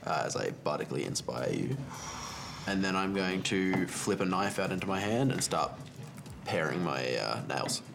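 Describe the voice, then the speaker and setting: A man with a fairly low voice talks through his turn at a tabletop game in a relaxed way. His pitch still moves around a lot. There is clear noise behind him. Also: moderate pace. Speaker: player. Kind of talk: casual tabletop game chat.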